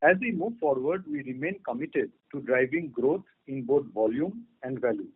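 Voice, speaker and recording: A man giving a formal, scripted corporate address as a company executive, reading in a measured way. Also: medium pitch, expressive, breathy edge. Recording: narrow phone-line conference call audio.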